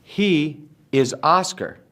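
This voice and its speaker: A male teacher from the United States leading an English class, speaking slowly and deliberately and repeating words for his students. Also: a little high, fairly bright tone. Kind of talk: slow classroom drill.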